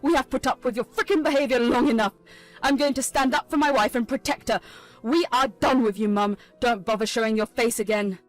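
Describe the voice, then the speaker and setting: A woman's voice: fairly high pitch, a little fast, no echo, faint music behind, natural voice. A woman voicing an angry grown son who disowns his mother. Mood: cold. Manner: angry, scolding.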